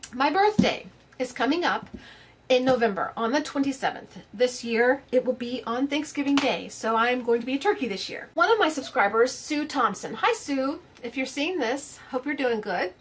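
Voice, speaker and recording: A woman's voice: a little high, a little hiss or hum. A woman, chatting casually to her craft channel's viewers in a rambling way, full of fillers and restarts. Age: 50s. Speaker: crafting vlogger. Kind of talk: casual chat to camera.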